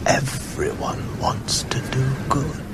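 An actor playing a sinister old male vampire in a radio horror drama, breathy, deliberate and commanding. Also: in a whisper, loud music behind the voice, lightly acted. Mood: sinister, insinuating. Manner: slow, deliberate, menacing, drawn-out phrases.

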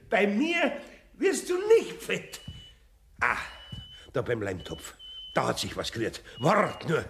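A man's voice: a little high, huge pitch swings, takes it slowly, background noise, full character voice. A man playing a grumbling but good-natured older master carpenter with a Bavarian accent in an audio drama. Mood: puzzled, startled. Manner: muttering to himself, exclaiming.

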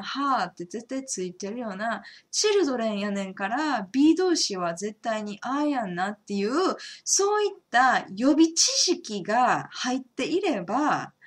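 A woman in her thirties with a Kansai Japanese accent teaches English pronunciation in a chatty, encouraging way. Her voice sits fairly high and moves all over the place, with plenty of laughs mixed in. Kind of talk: casual spoken lesson.

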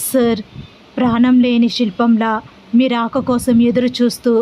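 A woman's voice: a little high, flat delivery, normal speed, warm tone, close to an everyday voice, poor audio. A woman voicing a devoted young wife, anxious and earnest as she longs to see her husband.

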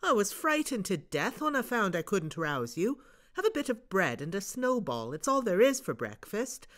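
A woman's voice: medium pitch, sing-song, moderate pace, voice pushed up, lightly acted. A woman reading aloud and voicing a bold, cheerful young boy who talks eagerly and exclaims. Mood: excited.

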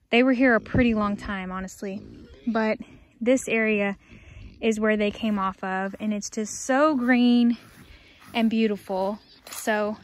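Young woman chatting outdoors on a farm. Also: fairly high pitch. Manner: chatty, talks to the animals in a soft baby voice. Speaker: farm vlogger. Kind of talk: casual chat. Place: outdoors on a farm among animals. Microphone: phone camera, often held at arm's length. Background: farm animals and outdoor ambience.

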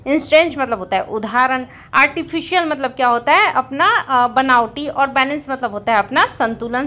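High-voiced woman teacher. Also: a bit bright, slight background noise. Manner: explains words plainly, often asks and answers herself. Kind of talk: editorial analysis lesson.

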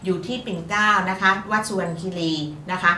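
Chatty Thai-speaking woman, bright tone, echoey. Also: mid-range voice, steady tone, recorded from a distance, a little hiss or hum. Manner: chatty, upbeat, quick to laugh. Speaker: astrologer co-host. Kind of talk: casual chat. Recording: echoey room, voice from off-mic.

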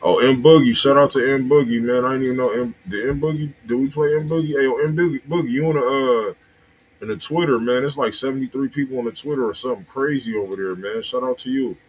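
A man's voice: mid-range voice, fast talker, low-quality recording. An American man co-hosting a music review stream, chatting casually in slang and often repeating himself. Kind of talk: casual livestream chat and feedback. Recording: faint background noise.

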